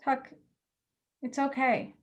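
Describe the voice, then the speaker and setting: Female magazine editor for a play reading, acted by a woman: candid, confiding, slightly hesitant, pitched a little high. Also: flat delivery, slow pace. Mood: apologetic, supportive. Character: candid, loyal female magazine editor, jaded about love. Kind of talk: virtual staged play reading.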